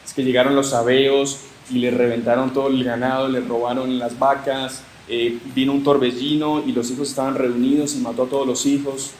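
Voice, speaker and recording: A man's voice: medium pitch, fairly quick, hardly any pauses. Uruguayan man teaching scripture, echoey room. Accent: Uruguayan Spanish. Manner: lively storyteller with joking asides. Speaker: religious formation speaker. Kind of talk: teaching talk retelling scripture. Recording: echoey room with faint hiss.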